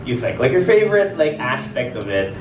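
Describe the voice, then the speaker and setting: A man's voice: mid-range voice, very animated, fairly quick, background noise. A man moderating a live creator panel, chatty and often restarting his questions. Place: event hall with audience. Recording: echoey hall from far off.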